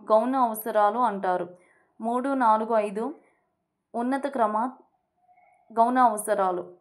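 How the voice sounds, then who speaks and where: A woman tutoring for exams, going over revision points and repeating each one like a drill. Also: on the high side. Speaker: exam prep tutor. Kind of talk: exam revision lesson.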